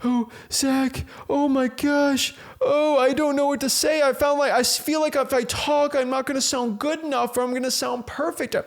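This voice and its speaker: A man mockingly puts on a jittery male novice who whines and stumbles over his words in a high, strained voice. He sounds panicky and unsure of himself. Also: flat delivery, moderate pace, few pauses. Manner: whiny, stammering, panicky. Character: anxious male beginner, fretful and unsure.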